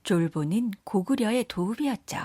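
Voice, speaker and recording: A woman reading scripted children's story narration in a measured, careful storytelling manner. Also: mid-range voice, expressive, warm tone, no room sound.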